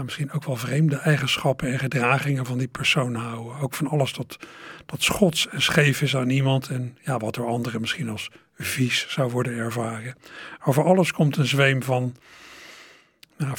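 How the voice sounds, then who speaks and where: A man presenting a music radio show, introducing songs in a musing way and pausing on hesitant fillers. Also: mid-range voice, fairly even intonation, slightly rough, no room sound, clean studio sound. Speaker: radio host.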